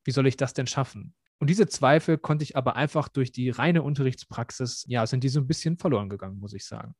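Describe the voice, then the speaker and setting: A man's voice: medium pitch, quick pace, a little mellow, no room sound. Young man, student teacher guest, reflective, earnest, dry recording. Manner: reflective, earnest, many fillers. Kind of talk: podcast interview.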